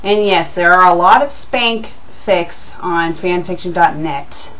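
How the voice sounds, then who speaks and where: A woman hosting a reading of fan fiction, with expressive, amused delivery and casual commentary. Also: lowish voice, slow, a little hiss or hum, poor audio.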